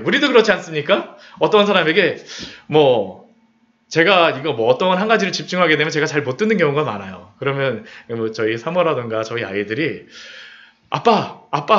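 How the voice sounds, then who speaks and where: Lively high-voiced preaching man. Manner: animated, asks rhetorical questions; acts out quoted cries. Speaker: pastor. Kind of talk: sermon. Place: church. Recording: dull lo-fi sermon recording.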